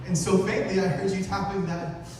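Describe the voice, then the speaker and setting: Echoey, high-voiced man in slow theatrical recitation. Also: level tone, darkish tone. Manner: haunted, halting, dramatic pauses. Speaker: stage performer reciting at a live event. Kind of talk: dramatic theatrical recitation of gothic poetry. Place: indoor live event venue, recorded from the audience. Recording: echoey hall, distant mic, noisy room.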